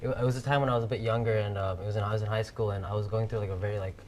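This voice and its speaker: Young guy, lowish voice, fast, lots of um and like. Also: fairly even intonation, crowd noise. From Bangladeshi family. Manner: hesitant, with many fillers. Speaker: panel participant. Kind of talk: casual group discussion.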